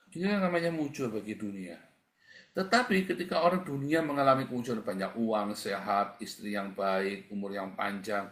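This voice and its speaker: Male pastor, mid pitch, plain-spoken livestream preacher, casual and blunt, echoey room. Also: fairly bright tone. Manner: conversational preaching, often addressing listeners as brothers and sisters; colloquial and blunt. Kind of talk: livestreamed sermon.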